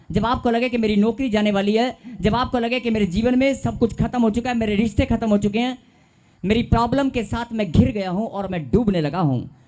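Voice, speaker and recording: A man's voice: high-pitched, darkish tone. A male pastor preaching a sermon, leading the congregation in call-and-response and stretching out repeated phrases for emphasis.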